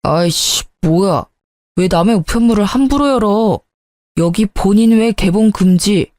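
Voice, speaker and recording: A woman's voice: medium pitch, measured pace, darkish tone, dry recording, close to an everyday voice. A woman voicing a defensive, self-justifying young husband in a story reading, brusque and dismissive. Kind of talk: storybook narration.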